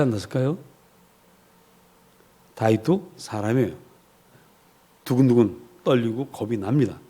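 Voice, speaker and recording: In a church, a male pastor with a mid-range, darkish, husky voice preaches a sermon, animatedly telling stories, acting out quotes, and leading the congregation to repeat after him.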